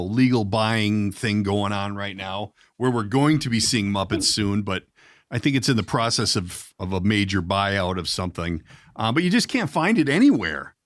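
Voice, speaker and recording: A man hosting a casual podcast interview, talking in a halting, rambling, easygoing way. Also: medium pitch, a bit bright, no echo, studio quality. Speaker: podcast host.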